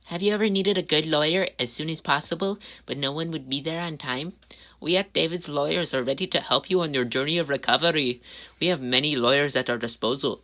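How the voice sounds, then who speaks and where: A man's voice: on the high side, bright, forceful tone. A man playing a law-firm announcer in a homemade mock radio commercial.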